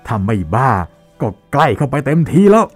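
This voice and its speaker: A man voicing a hot-tempered antique shop manager, ranting in loud exasperation in a dramatized audiobook. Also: medium pitch, very animated, a little fast, soft background music, voice pushed up. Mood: angry, exasperated.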